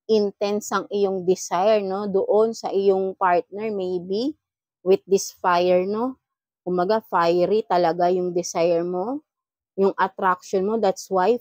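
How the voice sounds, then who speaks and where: A woman gives a casual tarot reading in a mid-pitched voice, recorded dry and close. She talks in a chatty, advising way, often tagging her phrases with a little question. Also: mellow, dry recording. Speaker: tarot reader.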